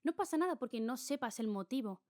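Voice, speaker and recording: A young woman hosts her own podcast, talking openly and confessionally. Her voice sits fairly high, and she slips into her own inner voice as she speaks. The sound is close and dry, with no room around it. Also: animated, fast talker, darkish tone, no echo. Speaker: podcast host. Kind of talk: casual solo podcast monologue.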